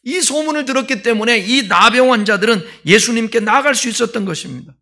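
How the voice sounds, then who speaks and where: A male pastor preaching a sermon in a conversational way, asking the congregation questions and swinging between loud emphasis and quiet asides. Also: very high-pitched, expressive, fast.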